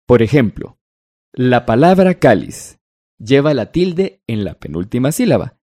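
A man's voice: mid-range voice, sing-song, measured pace, warm tone, dry recording, studio quality. A man co-teaching a language lesson on a broadcast, reading examples and explaining them.

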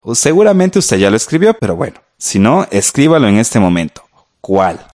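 A man's voice: medium pitch, sing-song, moderate pace, darkish tone. A man teaching a grammar lesson on radio, explaining patiently and speaking straight to the listener.

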